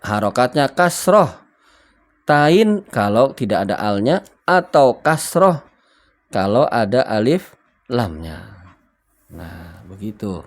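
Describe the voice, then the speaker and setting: Slow, patient male language teacher. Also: mid-range voice. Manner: patient, spells and translates word by word, asks viewers to repeat. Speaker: Arabic teacher. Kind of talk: recorded video lesson.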